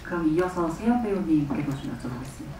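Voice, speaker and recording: A woman with a low voice and a brisk pace runs a press Q&A with polite questions. Her voice carries from a distance through a big, echoey cinema hall, with faint noise behind. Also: lively intonation. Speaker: press conference moderator. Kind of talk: moderating a press Q&A.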